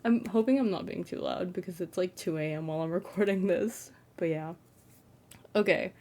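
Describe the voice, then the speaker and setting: This casual late-night vlog features a young trans man, a content creator, talking from his bedroom in a self-conscious ramble packed with "like." The voice is high, feminine-sounding and fairly flat, delivered at a normal speed.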